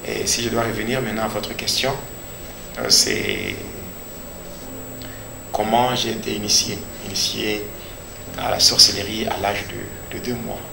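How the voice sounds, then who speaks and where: A man with a Congolese accent giving a personal religious testimony as a pastor, speaking deliberately and repeating phrases for emphasis. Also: fairly low pitch, expressive. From Democratic Republic of the Congo. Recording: echoey room with clear background noise.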